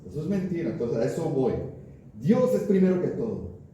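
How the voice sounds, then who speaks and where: A man's voice: fairly high pitch, big pitch swings, fairly quick, dark tone, a little hiss or hum. A man preaching a sermon in a conversational style, often asking his listeners rhetorical questions. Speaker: pastor. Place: church hall. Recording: far-off mic in an echoey church.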